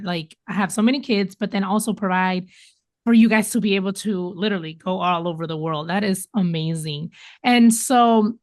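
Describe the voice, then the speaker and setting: A woman's voice: medium pitch, no echo, studio quality. A woman hosting an interview podcast, reacting with eager, effusive enthusiasm. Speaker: podcast host. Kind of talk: casual interview.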